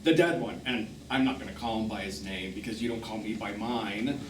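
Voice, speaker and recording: A man's voice: on the low side, brisk, close to an everyday voice. An actor playing a sarcastic, wounded middle-aged gay man in a live stage drama, cutting and emphatic. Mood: accusing. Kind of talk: live one-act stage drama acting. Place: small theatre stage, recorded from afar. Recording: distant noisy roomy theatre stage recording.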